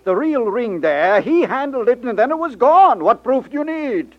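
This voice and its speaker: An actor playing an excitable, flustered jeweler in a 1950s radio drama, stammering and agitated, on a muffled old recording. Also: male voice, very high-pitched, normal speed. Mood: agitated, accusing.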